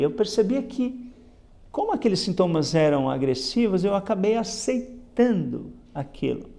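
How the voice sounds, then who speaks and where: Mellow-voiced man teaching scripture. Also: fairly high pitch, gravelly. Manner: reflective, repeats "né?" often, reads passages then explains. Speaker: Bible lesson teacher. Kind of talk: spoken Bible lesson commentary.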